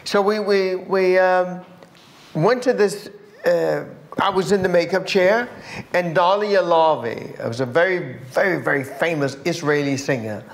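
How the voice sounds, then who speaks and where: Chatting casually in an interview, this older singer from the USA spins lively tales, often restarting and repeating herself. She speaks at a measured pace in a voice on the low side, with an American accent.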